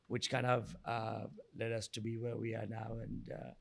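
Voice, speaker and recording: Creaky-voiced middle-aged man, halting talker. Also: fairly low pitch, level tone. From Sri Lanka. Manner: halting, repeats words and rephrases often. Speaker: guest, entrepreneur and investor. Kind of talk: conversational interview answers.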